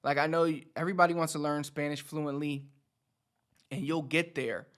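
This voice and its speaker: Slightly high-voiced man, casual and encouraging talk. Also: fairly even intonation, moderate pace, fairly bright tone. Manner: conversational, repeats words for emphasis. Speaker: Spanish teacher and channel host. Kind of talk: casual motivational talk to camera.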